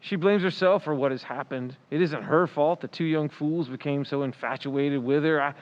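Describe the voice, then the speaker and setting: An anxious, protective father in middle age acted by a man in a radio play. He speaks in a fairly high voice with formal, halting phrasing, and the recording is a little dull. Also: close to an everyday voice. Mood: worried, sorrowful. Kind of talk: old-time radio drama acting.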